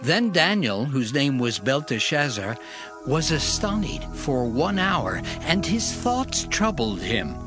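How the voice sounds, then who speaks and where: A man narrating a dramatized scripture reading in a measured, storytelling manner. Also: medium pitch, big pitch swings, music in the background.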